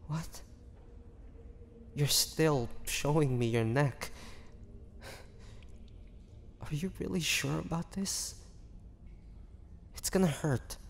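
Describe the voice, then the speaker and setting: A man voicing a starving, tormented vampire in a dramatic audio roleplay, speaking haltingly with breathy sighs. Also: on the high side, animated, heavily acted. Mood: pleading, tempted. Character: starving young male vampire, tormented, pleading, fighting bloodthirst. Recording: long echoing reverb, faint background noise.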